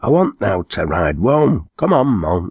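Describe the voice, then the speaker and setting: Putting on a character voice in a strong Lancashire accent, a man speaks raspy and at a very deep, low pitch, at a fairly slow pace with very wide pitch swings, in a dry, close sound with no echo. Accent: broad Lancashire dialect. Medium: read story.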